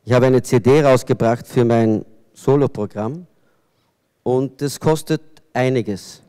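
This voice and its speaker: A man in his fifties from Belgium speaks on a panel with long hall reverb around him. His voice is mellow and smooth, and he gives his remarks in a measured, unscripted way. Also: mid-range voice. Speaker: panelist, theatre artist. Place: stage in a hall before an audience. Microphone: handheld microphone close to mouth.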